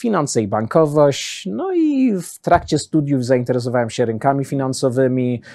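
A man's voice, dark and mellow in tone, moves at a moderate pace over a quiet background. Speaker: company CEO; guest. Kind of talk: interview. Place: studio. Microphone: lapel.

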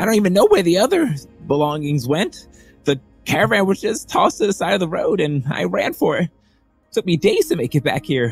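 Faint music plays behind a man doing a put-on character voice at a high pitch and a fairly quick pace. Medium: actual play. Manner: prickly, defensive, confrontational; gruff and dismissive.

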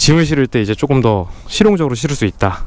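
Noticeable background noise accompanies a man whose medium-pitched voice moves at a fairly quick pace. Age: 30s. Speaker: office worker, car owner. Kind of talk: interview answer.

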